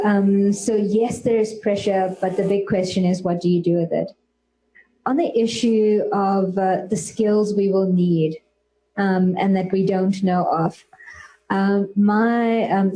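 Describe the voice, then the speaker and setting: Woman, soft-edged mellow tone, mid-range pitch, thoughtful panel speaker, deliberate phrasing, unscripted remarks. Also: poor audio. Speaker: panelist at a public discussion.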